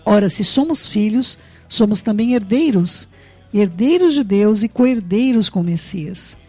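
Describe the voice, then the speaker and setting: A Brazilian woman with a Brazilian Portuguese accent preaching a sermon, earnest and warm toward her listeners, often checking in with rhetorical questions. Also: medium pitch, expressive, measured pace, dry recording, soft background music. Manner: earnest, tags phrases with rhetorical questions, addresses listeners fondly.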